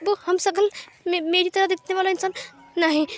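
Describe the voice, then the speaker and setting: A woman's voice: extremely high pitch, fairly even intonation, normal speed, voice pushed up. A woman voicing a young man who stammers and pleads. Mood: shaken.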